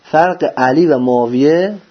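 A man giving a religious lecture, preaching with lively rhetorical questions and answering them himself. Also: on the high side. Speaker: religious teacher. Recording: dull lo-fi recording.

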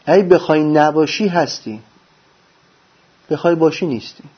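A man giving a religious lecture, preaching with lively rhetorical questions and answering them himself. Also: fairly high pitch, slightly rough. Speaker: religious teacher. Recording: dull lo-fi recording.

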